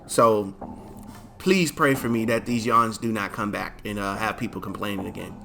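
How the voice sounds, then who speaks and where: A man's voice: fairly low pitch, normal speed, gravelly, fairly bright tone, a little hiss or hum. A man hosting a casual gaming video, chatting in a laid-back, slangy way while sleepy and stifling yawns. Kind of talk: casual commentary to camera.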